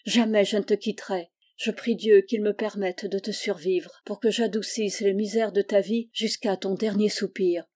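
A woman's voice: mid-range voice, fairly even intonation, normal speed, hardly any pauses, mellow, close to an everyday voice. A woman voicing a firm, loving older sister in a storybook reading. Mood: tender. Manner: firm and tender.

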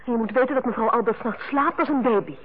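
Thin-sounding young nurse played by an actress. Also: female voice, on the high side, fast, narrow, tinny audio, lightly acted. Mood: wry, grumbling. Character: young female nurse, put-upon, wry, grumbling about her superior. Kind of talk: Dutch radio play acting. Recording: thin, noisy old radio recording.

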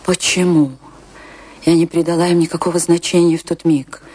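A woman's voice: lowish voice, little pitch movement, darkish tone, husky. An actress playing a romantic, anguished woman dancer who tells her tragic love story in a theatrical, emotive radio monologue. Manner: theatrical, wistful, emotive delivery with dramatic pauses. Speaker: actress narrating a radio play. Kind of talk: dramatic first-person radio play monologue. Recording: radio play with music behind.

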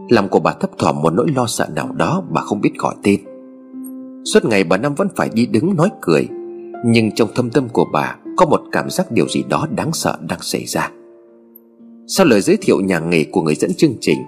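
A man narrating a ghost story in a measured, dramatic way. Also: on the low side, long reverb tail. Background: music.

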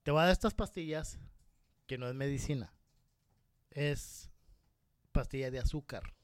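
A man with a Mexican accent quoting a calm male doctor who explains things matter-of-factly. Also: mid-range voice, measured pace, clear, resonant tone, no room sound, studio quality, close to an everyday voice. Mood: calm explaining.

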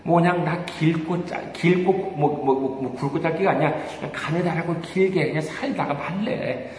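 A man's voice: a little high, normal speed, darkish tone. A man preaching a sermon as a pastor, conversational and full of rhetorical questions, with many hesitant fillers and little chuckles. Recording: very echoey hall, faint room noise.

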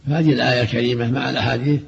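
An older man, an Islamic scholar, giving a religious lesson, briskly quoting texts and then explaining them plainly. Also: medium pitch, little pitch movement. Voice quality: gravelly, very husky. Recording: dull lo-fi archive recording.

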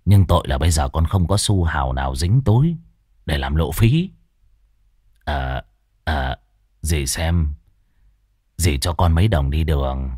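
A man voicing a coarse, swaggering young village thief who speaks low and gruff. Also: lively intonation, a little slow, pauses often, warm tone, dry recording, studio quality, full character voice. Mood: wheedling.

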